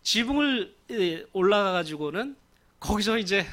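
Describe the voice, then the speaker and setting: A man preaching a sermon, retelling a story in an animated way and chuckling often. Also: high-pitched, a little slow. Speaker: pastor.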